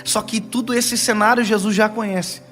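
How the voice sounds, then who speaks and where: A young man from preaching a sermon, telling lively family stories with playful asides and slow, dramatic pauses. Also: high-pitched, faint music behind. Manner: animated, storytelling with playful asides and dramatic slowdowns. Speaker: pastor.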